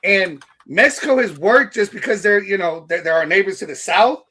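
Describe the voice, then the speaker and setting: A man's voice: sits high, normal speed, pushed and bright, breathy edge. A man co-hosting a casual sports chat, talking in a rambling way with repeated words.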